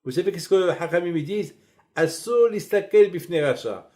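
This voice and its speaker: A middle-aged man giving a sermon as a rabbi, telling stories in a lively, colloquial way. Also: sits high, moderate pace. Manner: animated, colloquial storytelling.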